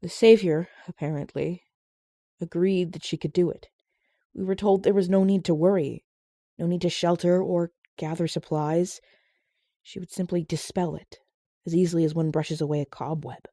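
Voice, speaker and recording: Woman voicing a mellow, courteous young guardsman. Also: on the low side, steady tone, dry recording, studio quality. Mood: somber narrating. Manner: courteous, measured, formal phrasing. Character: polite, gently proper fantasy guardsman, younger man. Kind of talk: fantasy audio drama acting.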